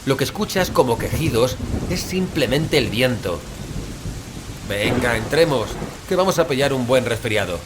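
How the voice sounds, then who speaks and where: A man's voice: mid-range voice, animated, moderate pace, close to an everyday voice. A man playing a down-to-earth, sceptical paranormal investigator in a horror audio drama, speaking bluntly and colloquially. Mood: dismissive, exasperated. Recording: rain and thunder noise behind.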